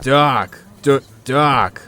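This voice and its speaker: Man as nervous, slow-talking sidekick. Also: mid-range voice, pushed and bright. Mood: anxious. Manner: hesitant, informal. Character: nervous, hesitant male friend of a doctor. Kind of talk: audio drama acting.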